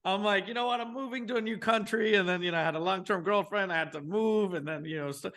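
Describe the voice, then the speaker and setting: A man, telling his business story as a guest in a casual interview, animated and often restarting his sentences. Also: sits high, fast. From Venezuela. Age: 40s. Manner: animated, frequent restarts, acts out his own thoughts. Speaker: guest entrepreneur.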